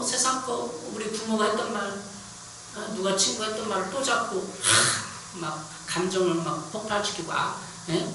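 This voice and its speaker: A man's voice: high voice, pushed and bright, distant mic. A male pastor delivering a sermon, preaching emphatically and firing rhetorical questions at his congregation. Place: church sanctuary. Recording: echoey hall, voice from off the mic, faint noise.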